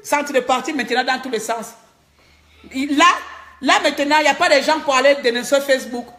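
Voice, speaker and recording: Her voice is high and fairly bright, with fairly even intonation and a slightly quick pace, as this Gabonese woman with a Cameroonian French accent rants indignantly on a livestream. She keeps repeating words while hunting for the next one, and the recording has a roomy echo.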